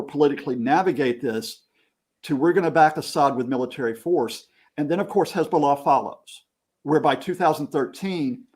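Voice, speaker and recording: A man's voice: fairly high pitch, a little mellow, husky. A man speaking as a guest professor, telling political history as a story in short, emphatic present-tense clauses.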